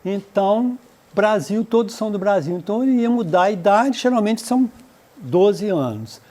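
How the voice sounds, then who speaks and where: Brazilian teacher walking through English examples. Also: male voice, sits high, lively intonation, darkish tone. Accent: Brazilian Portuguese. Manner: explains slowly, reads English examples then translates; frequent "então" and "né" fillers. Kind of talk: recorded remote school lesson.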